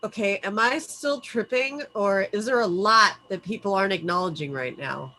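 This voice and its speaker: A woman's voice: medium pitch, moderate pace, sharp tone. A woman playing an unsettled, dazed young traveller in a film script table read. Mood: uneasy.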